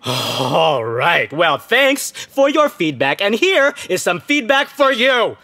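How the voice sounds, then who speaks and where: An aggrieved young Asian American coder in a radio play. His voice is sharp and bright, and his pitch leaps around. He argues in wordy, sarcastic bursts. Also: sing-song, slow, exaggerated voice. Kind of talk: audio play acting.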